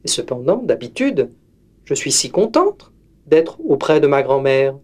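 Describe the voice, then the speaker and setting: A man's voice: mid-range voice, very animated, measured pace, darkish tone. A man voicing a timid, sweet little girl in a red hood in a storybook reading, in a raised, wide-eyed voice. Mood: musing.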